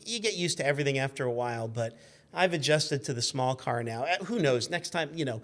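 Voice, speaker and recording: A man's voice: mid-range voice, animated, brisk, fairly bright tone. A man in his fifties telling stories casually as a guest, correcting himself as he goes. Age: 50s. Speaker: guest, car magazine editor. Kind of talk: casual conversational storytelling.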